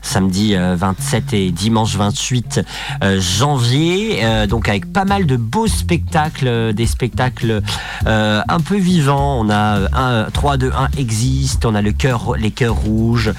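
A man's voice: fairly low pitch, a little slow. A man hosting a live radio show in a casual, stumbling way, often repeating his words. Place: radio studio. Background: music.

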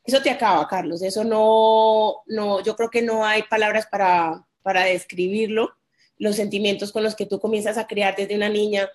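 A woman's voice: medium pitch, steady tone, normal speed. A woman in her forties from Colombia, a guest in an interview, telling her personal story candidly.

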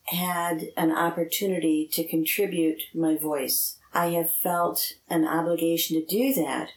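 A woman's voice: sits low, steady tone, measured pace, roomy sound, rough recording. A woman in her seventies giving reflective answers in an interview. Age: 70s. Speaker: interviewee, lay church member.

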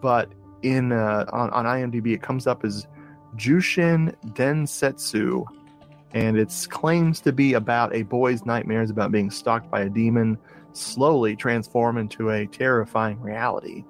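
A man's voice: mid-range voice, measured pace, faint music behind. A man co-hosting a podcast in casual chat about movies, talking enthusiastically with frequent restarts and fillers. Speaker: podcast co-host.

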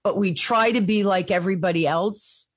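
A woman's voice: medium pitch, moderate pace, husky. A woman in her late fifties with a New Jersey accent, hosting a casual interview chat and telling stories with goofy humor. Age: 50s. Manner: animated storyteller, goofy humor. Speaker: podcast host.

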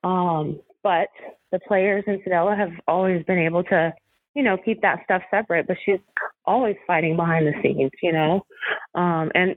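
A woman, a soccer coach and commentator, talking casually in an interview and rambling with many fillers. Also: on the low side. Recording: tinny phone line.

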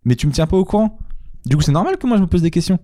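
A man's voice: sits high, very animated, racing, warm tone, no room sound, studio quality. A man co-hosting a couple's show in casual chat, playful and talking straight to his listeners. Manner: playful, addresses the audience directly.

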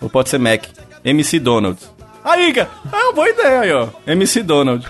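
A playful Brazilian man co-hosts a podcast, slangy and quick to joke. His voice sits a little high and bounces around lively. Faint music runs beneath him. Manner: playful, slangy, news-reading asides. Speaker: podcast co-host. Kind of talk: casual podcast banter.

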